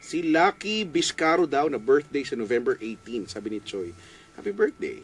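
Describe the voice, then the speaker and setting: A man's voice: medium pitch, very animated, normal speed, slightly rough. A man with a Filipino accent working as a radio DJ, bantering and greeting listeners in a giggly, playful way. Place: small radio studio. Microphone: studio boom mic with headphones.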